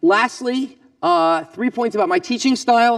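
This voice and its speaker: A man speaks with very wide swings in pitch. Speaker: economics professor. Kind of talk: lecture. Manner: fast.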